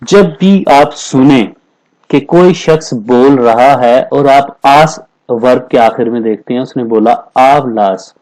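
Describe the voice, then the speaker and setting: A man's voice: mid-range voice, a little mellow, low-quality recording. Patient male language teacher. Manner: explains patiently, repeats phrases, keeps asking "theek hai na"; says Spanish examples slowly and carefully. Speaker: Spanish teacher. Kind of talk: classroom-style language lesson.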